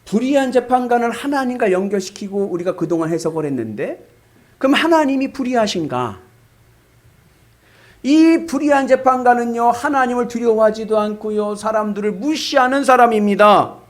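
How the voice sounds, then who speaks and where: A middle-aged male pastor preaching a sermon with rhetorical questions and animated storytelling. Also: very high-pitched, normal speed.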